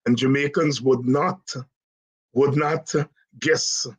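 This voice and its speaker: A middle-aged man from Guyana with a Guyanese accent, hosting a casual political talk in an unhurried, musing way with many fillers and restarts. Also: mid-range voice, steady tone. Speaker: host.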